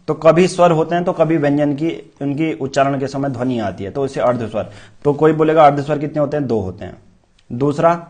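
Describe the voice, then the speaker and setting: A man's voice: fairly high pitch, darkish tone. A man teaching a grammar lesson for exam preparation, demonstrating sounds aloud and quizzing students with questions he answers himself. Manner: repeats key terms as questions and answers them.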